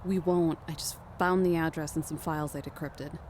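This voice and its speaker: A woman's voice: low-pitched, fairly even intonation, moderate pace, a little mellow, natural voice. A woman acting a weary, protective young leader of fugitives in an audio drama, with a subdued, serious delivery. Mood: grave, bitter. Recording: noisy outdoor ambience bed.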